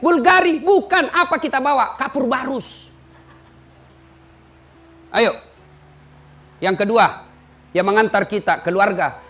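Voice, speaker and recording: A man preaching with a very high voice. He delivers a humorous sermon, telling lively stories and shouting out questions in voices he mimics. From Indonesia.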